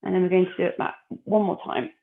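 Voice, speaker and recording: A woman leading a core exercise class, giving calm, encouraging cues and breath counts. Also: fairly low pitch, quick pace, vocal fry. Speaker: fitness instructor. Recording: phone-like narrow audio.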